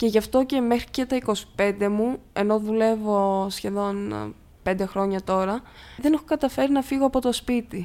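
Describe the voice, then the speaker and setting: On a very clean recording with a silent background, a woman with a fairly high pitch and a dark, mellow tone speaks at a fairly slow pace with ordinary pitch variation. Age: 20s. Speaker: survivor of domestic violence, hospitality worker. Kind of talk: testimony. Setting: studio.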